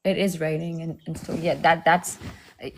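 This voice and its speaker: A woman's voice: low-pitched, flat delivery, moderate pace, creaky, darkish tone, a little hiss or hum. A woman in her thirties from South Africa, hosting a casual livestream chat, laid-back and laughing as she tells stories. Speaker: livestream host.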